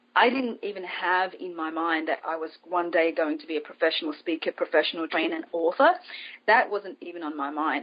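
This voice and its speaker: With an Australian accent, a woman speaks at a moderate pace, her fairly low voice showing ordinary pitch variation. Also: big swings in loudness. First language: Chinese. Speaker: public speaking trainer and author. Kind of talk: podcast interview.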